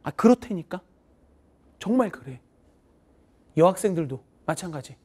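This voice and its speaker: A woman's voice: on the low side, lively intonation, a little slow, mellow, breathy edge. A woman math teacher giving students a chatty, motivational talk, acting out voices as she tells stories.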